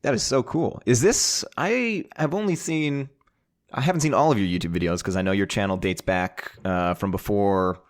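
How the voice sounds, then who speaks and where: Chatty lower-pitched male podcast host. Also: moderate pace. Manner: chatty and enthusiastic, many fillers. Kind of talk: casual podcast chat.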